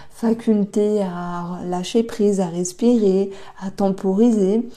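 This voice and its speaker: A woman giving an intuitive tarot reading for a star sign, talking slowly and reflectively with many pauses and hesitations. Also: mid-range voice, warm tone. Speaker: tarot reader.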